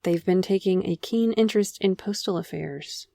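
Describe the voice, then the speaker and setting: A woman plays a privileged, lovelorn official in an audio drama, polite and apologetic. The voice sits at a middle pitch, formal and earnest, recorded close and dry. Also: normal speed, creaky, dark tone, dry recording, lightly acted. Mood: polite, awkward.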